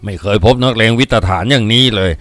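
A man doing a gruff old headman boss. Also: fairly low pitch, fast, fairly bright tone, no echo, close to an everyday voice. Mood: brooding. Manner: gruff, brooding, commanding. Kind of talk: audiobook character reading.

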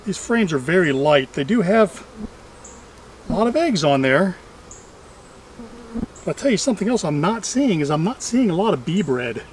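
Middle-aged male vlogger, high voice, chatty and dryly funny working commentary, outdoors with faint background buzz. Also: big pitch swings, normal speed, pauses often, a little hiss or hum, rough recording. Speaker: beekeeper and vlog host. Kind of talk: casual running commentary while working. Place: outdoors among trees at beehives.

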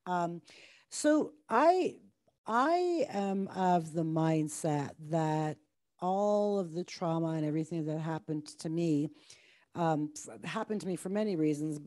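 A woman's voice: sits low, mellow. A middle-aged woman hosting a video call interview, speaking candidly and swearing casually. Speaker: host.

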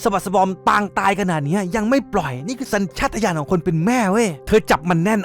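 Fast, high-voiced male recap narrator. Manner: excitable, crude and joking. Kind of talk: casual spoiler recap narration.

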